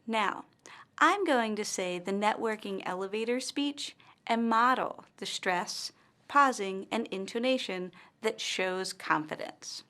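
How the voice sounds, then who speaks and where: A woman narrating a scripted language lesson, speaking slowly and carefully with clearly marked stress and pauses. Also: medium pitch, sharp tone. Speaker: language teacher.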